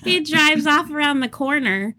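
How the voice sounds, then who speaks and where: Woman podcast host, bright clear voice, chatty storyteller, laughs a lot. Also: high voice, normal speed. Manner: storytelling, laughing often, acts out quotes. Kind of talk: casual podcast chat.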